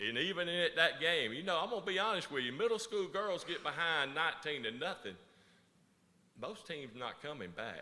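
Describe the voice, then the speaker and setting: At a moderate pace, a man with a bright, sharp tone and vocal fry makes very wide pitch swings. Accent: Southern US. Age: 60s. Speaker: school basketball coach. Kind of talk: awards ceremony speech. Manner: informal, folksy.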